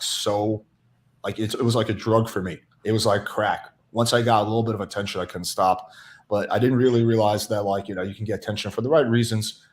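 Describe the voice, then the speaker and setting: A young man from Russia on a podcast, casually telling candid, self-deprecating stories about his past. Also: fairly low pitch. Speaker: podcast guest. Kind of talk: casual chat.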